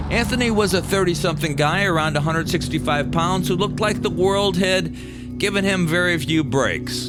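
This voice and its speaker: American guy narrating his own story, kinda high voice, chatty and folksy, bit of music behind. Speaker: podcast host and storyteller. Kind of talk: first-person narrated storytelling. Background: background music.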